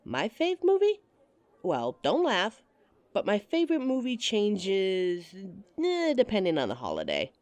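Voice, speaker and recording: Playful woman with a lively, teasing voice. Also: medium pitch, measured pace, no room sound. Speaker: audio roleplay performer. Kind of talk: scripted roleplay monologue to a listener.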